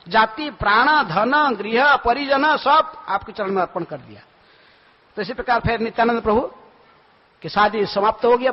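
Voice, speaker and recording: A man's voice: sits high, husky. A man giving a devotional storytelling lecture in a temple hall, often asking himself questions and answering them. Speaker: monk lecturer. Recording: lo-fi recording with long hall reverb.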